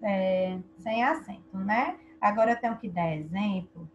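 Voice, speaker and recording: A woman's voice: mid-range voice, unhurried, dull audio, music in the background. A Brazilian woman teaching an online class to young children, patiently quizzing her pupils. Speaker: primary school teacher.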